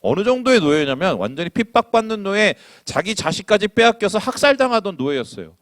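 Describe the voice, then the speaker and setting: A male pastor preaching a sermon in an animated way, asking the congregation questions and acting out quotes. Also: high voice, fast talker, no echo.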